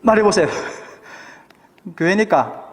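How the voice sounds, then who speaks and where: Lively preaching man in a reverberant church. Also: sits high, slow. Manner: asks the congregation questions, acts out quoted speech. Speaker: pastor. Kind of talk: sermon. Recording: church hall with long reverb.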